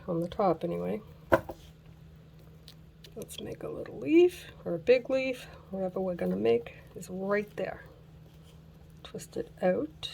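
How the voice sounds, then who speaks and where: A woman hosting a casual craft tutorial who is losing her voice, chatting slowly while she works and laughing at her own mishaps. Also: medium pitch, vocal fry, mellow, a little hiss or hum. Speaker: craft channel host.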